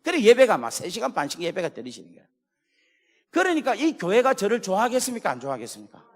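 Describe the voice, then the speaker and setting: A man with a Gyeongsang accent preaching a sermon in a church, telling stories and swinging from hushed asides to shouts. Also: sits high, huge pitch swings, quick pace. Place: church sanctuary. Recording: long hall reverb.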